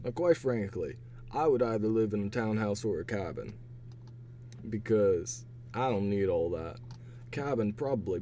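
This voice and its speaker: A young man streaming casual chat while he takes online quizzes. His voice is hoarse and raspy, and he rambles with a chatty manner. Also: lowish voice, warm tone, a little hiss or hum. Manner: chatty, rambling, laughs to himself. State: hoarse, voice partly gone.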